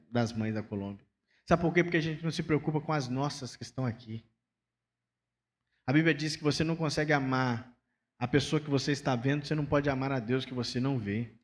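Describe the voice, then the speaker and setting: A man's voice: mid-range voice, big-room sound. A man with a Brazilian Portuguese accent, a pastor preaching a sermon in a conversational way and acting out everyday dialogues. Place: church sanctuary.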